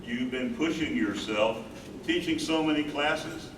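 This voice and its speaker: A man playing a concerned, gentle, supportive husband in a staged play reading. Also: a little high, a little slow, distant mic, close to an everyday voice. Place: live staged reading in a room. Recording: echoey, noisy room from afar.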